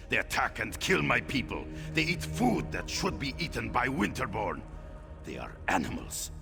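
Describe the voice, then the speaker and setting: Menacing tribal warrior for a game, super gravelly, slow and sneering, music behind him. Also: male voice, exaggerated voice. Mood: vengeful anger. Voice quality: deep, gravelly. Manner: theatrical, slow, sneering threats. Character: fanatical male Winterborn tribal warrior, menacing, proud, contemptuous. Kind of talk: video game character acting.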